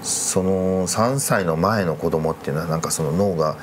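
Low-voiced man casually telling a ghost story. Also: moderate pace. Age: middle-aged. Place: dark studio, seated at candlelit table. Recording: clear background noise.

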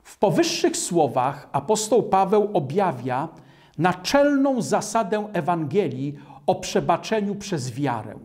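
Older guy preaching slow, voice rising and falling a lot, studio recording. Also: high-pitched. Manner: slow, measured preaching with lively intonation. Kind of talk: sermon. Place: studio in front of a starry-sky backdrop.

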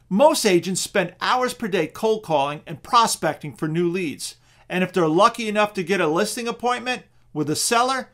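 High-voiced man giving a persuasive pitch. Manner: steady, persuasive sales pitch. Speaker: real estate auction presenter. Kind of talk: scripted webinar narration.

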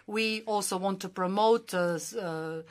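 Interpreting formal conference speeches simultaneously, a woman keeps a steady, formal tone at medium pitch. She fills many pauses as she goes.

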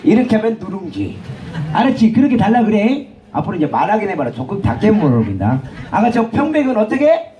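A high-voiced man with a hawks goods to a festival crowd. His pitch leaps around, and he teases and jokes in rowdy banter with a dark, mellow tone. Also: very animated, fairly quick, lo-fi sound. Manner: bantering, teasing, shouted cues. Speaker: street performer and vendor. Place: outdoor festival stage.

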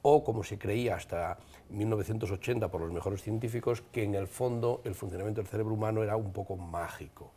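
A man's voice: on the low side, fast talker, dark tone, slightly rough. A man guesting on a studio talk show who speaks earnestly and reflectively about the human mind. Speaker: studio guest, psychology enthusiast.

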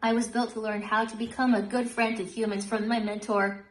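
A woman's voice: on the high side, little pitch movement, a little fast, rough recording. A synthetic female-sounding robot voice giving polite, child-friendly answers to questions. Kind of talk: scripted demo answers.

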